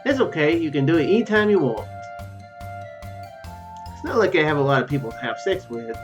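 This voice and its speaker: A man's voice: a little high, lively intonation, brisk, lightly acted. A man reading aloud the visual novel lines of a bewildered, eager newcomer hero, hesitant and questioning. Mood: accepting. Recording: dull lo-fi mic with faint music.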